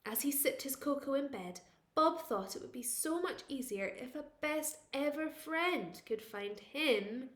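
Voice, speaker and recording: High, animated woman reading a storybook. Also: a little slow, roomy sound. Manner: expressive, playful, exclaiming over pictures. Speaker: teacher reading a picture book aloud to children.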